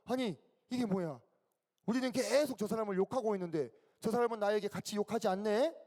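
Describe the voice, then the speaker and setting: A man's voice: high-pitched, brisk, darkish tone. A man doing an awed, repentant robber. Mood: amazed. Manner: wondering, earnest. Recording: echoey hall.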